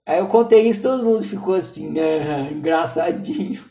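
A man tells a personal story as a spiritual teacher. He is animated and playful, and he acts out his inner debates with lots of back-and-forth fillers. His delivery is casual and conversational. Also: high-pitched, quick pace, gravelly. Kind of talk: storytelling talk.

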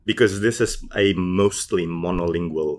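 A man in his thirties from Indonesia, speaking English as an interview guest, thoughtful and halting with many fillers. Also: deep voice, faint music behind. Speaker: guest, poet and PhD student. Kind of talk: casual interview answers.

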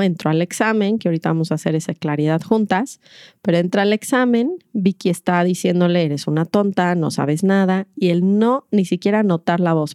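A middle-aged woman who hosts a podcast, explaining calmly with rhetorical questions. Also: lowish voice, smooth, no room sound, studio quality. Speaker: podcast host and mother. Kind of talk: reflective coaching talk.

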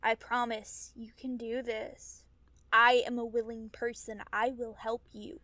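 A woman's voice: on the high side, flat delivery, unhurried, bright, forceful tone, no room sound. A woman acting in an audio drama as a young Fae companion, earnest and reassuring, speaking plainly and sincerely.

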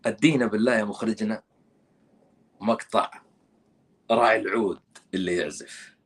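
A man giving casual commentary, animated and scolding, with emphatic oaths. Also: lowish voice, moderate pace, slightly rough.

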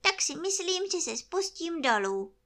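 A woman reading a storybook, voicing a naive, cheerful little honey-loving teddy bear in a high, sing-song, earnestly silly way. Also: very animated, a bit bright, exaggerated voice.

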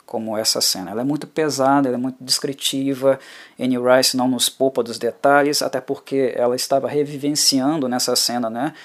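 A man's voice: mid-range voice, fairly even intonation, a little fast. A man hosting a book club podcast, giving a reflective and heartfelt solo analysis of a novel. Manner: reflective, heartfelt, often tags phrases with a questioning filler. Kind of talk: solo literary analysis monologue.

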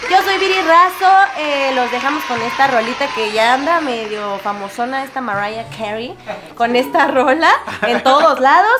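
A woman's voice: high-pitched, moderate pace, background noise. A young woman with a Mexican accent hosting a casual radio show, chatty and playful, often laughing.

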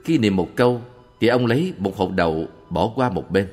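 A man reading a monk's answers aloud in a calm, measured Buddhist question-and-answer recording. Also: on the low side. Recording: long reverb with faint background music.

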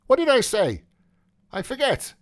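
A man voicing a brash, mocking young male medical student, quick and flippant. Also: very high voice, huge pitch swings, no echo, clean studio sound, pitched above the performer's own voice, full character voice. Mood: offhand.

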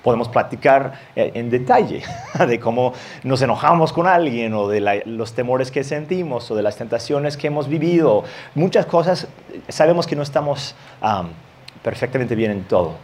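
Un hombre que predica un sermón en tono conversacional, leyendo pasajes bíblicos y riendo un poco de vez en cuando. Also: male voice, mid-range voice, animated, moderate pace, darkish tone, a little hiss or hum. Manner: conversational, reads scripture aloud with light laughs. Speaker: pastor. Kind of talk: sermon.

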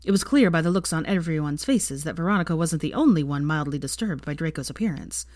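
A woman reads a fan story aloud in a calm, steady way. Her voice sits low, yet it moves freely up and down. The recording is close and dry. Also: fast talker, no room sound. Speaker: fanfiction reader. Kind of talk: storybook narration.

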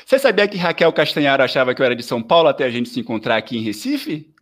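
A man, chatting as a guest in an interview, lively and full of filler tags. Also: medium pitch, racing. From southern Bahia, Brazil. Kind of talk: casual interview chat.

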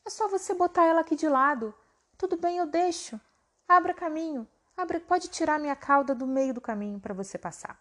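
Lady doing a sly old monkey guy, calm and teasing, storybook voice. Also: sits high, fairly quick, voice pushed up. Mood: coaxing. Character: old teasing male monkey lying on the path.

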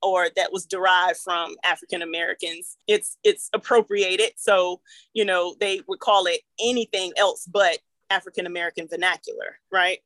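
A woman's voice: fairly low pitch, steady tone, normal speed, a bit bright, no echo, poor audio. A woman co-hosting a podcast, explaining a topic with many fillers and restarts. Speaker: podcast co-host. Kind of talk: casual podcast discussion.

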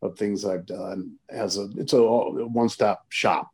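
A man's voice: fairly low pitch, fairly even intonation, unhurried, darkish tone. A man who works as an actor, talking as a guest in a casual chat and telling emphatic anecdotes.

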